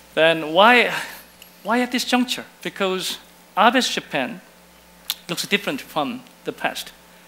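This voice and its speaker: With a Korean accent, a man talks at a fairly slow pace in a high voice, his pitch swinging very widely between long, frequent pauses. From South Korea. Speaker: professor. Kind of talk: panel discussion. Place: hall. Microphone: headset.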